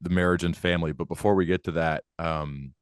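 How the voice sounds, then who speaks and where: A man with a very low voice hosts a podcast interview, asking curious, probing questions. His voice sounds close and dry, with no room sound. He leans in with open enthusiasm. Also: fairly even intonation, fairly quick, clean tone, no echo. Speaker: podcast host.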